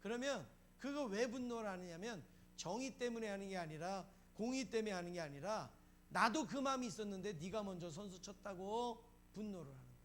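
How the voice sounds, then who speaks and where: High-pitched male pastor preaching. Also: a little hiss or hum. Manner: asks the congregation questions and answers them, repeats phrases for emphasis; acts out quoted lines in a raised voice. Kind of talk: sermon.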